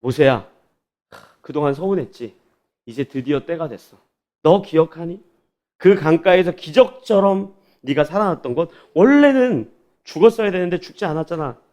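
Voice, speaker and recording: Pastor doing god talking straight at someone, blunt, kinda high voice. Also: male voice, expressive, normal speed, long pauses, a little mellow, dull audio, close to an everyday voice. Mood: tender. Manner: blunt, direct address. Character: God, divine male voice, blunt and commanding.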